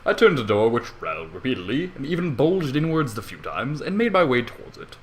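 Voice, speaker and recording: A man's voice: mid-range voice, sing-song, a little fast. A young man reading fan fiction casually as an amateur narrator, with rambling, self-deprecating asides and swearing. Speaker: amateur story reader. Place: bedroom at home.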